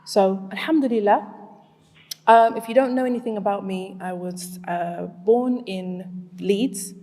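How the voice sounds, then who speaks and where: A woman's voice: mid-range voice, a little slow, mellow. A woman in her forties who grew up in Zimbabwe, speaking at a community event. She asks the audience questions, then tells a personal story. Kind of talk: storytelling talk to a live audience. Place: large hall with an audience. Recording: long reverb of a large hall.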